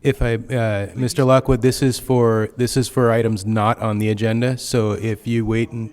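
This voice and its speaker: A man speaking as city staff at a public meeting, measured and procedural. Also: medium pitch, level tone, darkish tone. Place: council chamber.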